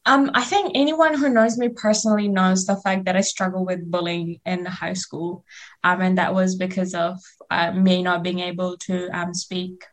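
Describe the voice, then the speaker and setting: A woman's voice: lowish voice, fairly even intonation, moderate pace. A young woman from Fiji with a Fiji Indian accent, a native Fiji Hindi speaker, talking informally and a little hesitantly as a radio interview guest. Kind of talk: personal talk in a radio interview.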